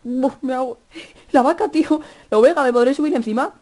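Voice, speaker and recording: A young man with a Spanish accent from Spain chatting fast over Minecraft gameplay, cursing and yelling at the mobs. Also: very high voice. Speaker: gaming youtuber.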